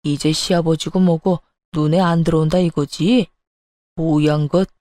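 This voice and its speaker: A woman's voice: low-pitched, steady tone, a little slow, warm tone, no room sound, studio quality, pitched below the performer's own voice. A woman voicing a domineering older father-in-law in a radio story, stern and scolding. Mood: stern angry.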